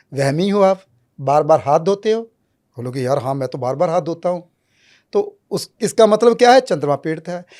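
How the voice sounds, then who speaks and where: Here a man speaks with a high pitch and lively intonation. His pace is moderate, on a very clean recording with a silent background. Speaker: astrologer. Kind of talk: interview.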